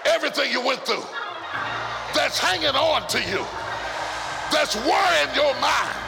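A man's voice: very high-pitched, animated, measured pace, gravelly. A man preaching a rousing revival sermon in a roaring, rallying way, exhorting the congregation with emphatic repetition. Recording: live sermon over music and crowd noise. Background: music and congregation.

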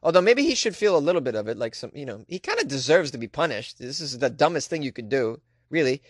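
A man's voice: mid-range voice, big pitch swings, quick pace, dry recording, clean studio sound. A man hosting a comedy show, reading odd news stories aloud and mocking them with incredulous asides and laughter. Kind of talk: comic commentary on news stories.

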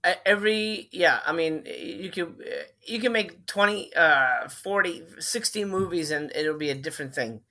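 A man's voice: a little high, moderate pace, few pauses, sharp tone. A man in his forties from Miami, a filmmaker guest telling stories in a casual, rambling interview, often correcting himself. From Miami, Florida. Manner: rambling, self-correcting storyteller.

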